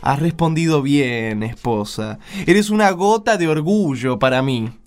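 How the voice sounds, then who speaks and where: An actor playing a pompous, contemptuous, pious Pharisee husband in a radio play, preachy and condescending. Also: male voice, a little high, expressive, a little slow.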